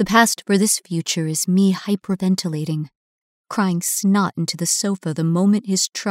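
An unforced reading voice, quiet background behind it

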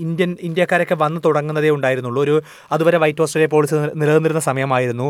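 Fairly high in pitch, a man with an ordinary speaking voice talks with fairly even intonation and very even loudness. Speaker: radio podcast host. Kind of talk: interview.

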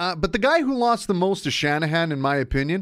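The man's tone is animated, with a high pitch. His voice makes very wide pitch swings. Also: very clean recording, silent background. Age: 40s. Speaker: sports radio co-host. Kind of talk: casual sports chat.

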